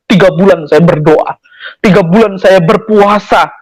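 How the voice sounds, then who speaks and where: A man telling his personal religious testimony in an earnest, animated way, acting out the dialogue he quotes. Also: sits high, a little slow, no echo, rough recording. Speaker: testimony speaker.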